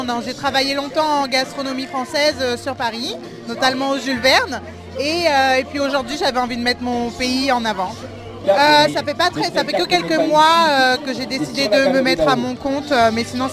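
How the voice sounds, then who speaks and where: A woman's voice: high voice, fairly quick, music in the background, a crowd in the background. A woman who works as a cook, interviewed at an outdoor street market, introducing her business in a friendly, slightly shy way.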